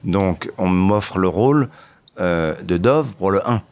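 A middle-aged man as a podcast guest, telling stories in a lively, halting way with bursts of excitement. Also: low-pitched. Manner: animated storytelling, halting restarts, bursts of excitement. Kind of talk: candid interview talk.

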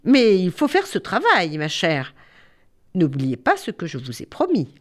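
A woman voicing a stern queen who gives orders in a lowered, imperious voice. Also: wildly swooping pitch, unhurried.

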